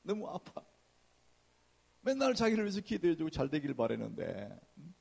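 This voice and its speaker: A senior pastor preaches a lively, conversational sermon, acting out church gossip in hushed tones. His voice sits a little high and moves at a normal speed, with vocal fry and a slightly rough edge.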